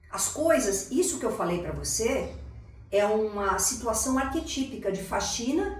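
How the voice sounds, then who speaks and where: A woman speaks at a fairly slow pace in a fairly high pitch with lively intonation. Audible room echo and noticeable background noise are present. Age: 60s. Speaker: spiritual teacher. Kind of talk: spiritual talk.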